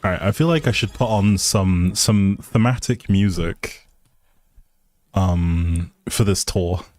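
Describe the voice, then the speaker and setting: A man's voice: low-pitched, takes it slowly, a little mellow. A man hosting a casual game livestream, talking to his viewers with playful, teasing informal banter.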